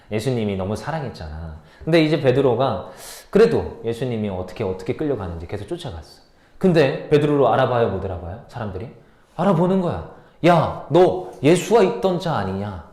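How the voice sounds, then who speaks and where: A man's voice: medium pitch, a little mellow, echoey room. A man, a junior pastor, preaching a sermon in a conversational way and often asking his listeners questions.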